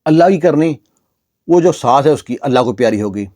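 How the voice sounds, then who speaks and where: A man's voice: mid-range voice, lively intonation, warm tone. A man narrating a village story in a conversational way, with repeated fillers and restarts.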